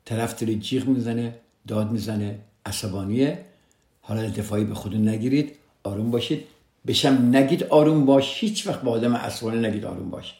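A man's voice: on the low side, dark tone, roomy sound. A man hosting a radio advice program, speaking earnestly and directly to his listeners, often repeating his main points. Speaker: radio host giving relationship advice. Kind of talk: casual advice talk on a podcast.

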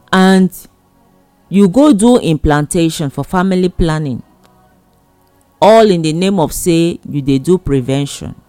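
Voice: medium pitch, mellow, no echo. A speaker with a Nigerian accent giving admonishing advice in Nigerian Pidgin, in an emphatic, repetitive, exhorting way.

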